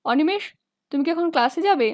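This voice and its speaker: A woman voicing a calm, plain-spoken male party worker in a storybook. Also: high voice, fairly quick, no room sound, studio quality.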